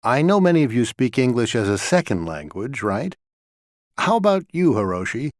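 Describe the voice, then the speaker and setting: A man acting as a lecturer, giving a scripted class talk in a clear, measured way, recorded in a studio. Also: medium pitch, big pitch swings, no echo, close to an everyday voice. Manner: measured, clear explanatory delivery. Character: male lecturer talking to a class.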